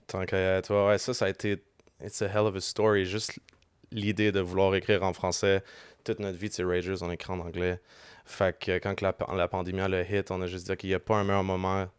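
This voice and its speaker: A man's voice: sits low, monotone, a little fast, clear, resonant tone, no echo. A man with a Québécois French accent, a band member chatting on a podcast and mixing English slang into his French. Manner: switches freely between French and English slang. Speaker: band member and lead vocalist, guest. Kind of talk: casual podcast conversation. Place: podcast studio.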